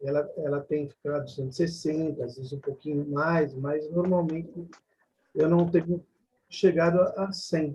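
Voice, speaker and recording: A man speaks with a dark, mellow tone at a fairly high pitch. His intonation is fairly even and his pace fairly slow. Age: 60s. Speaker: class participant. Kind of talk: personal sharing in class. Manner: halting, repetitive.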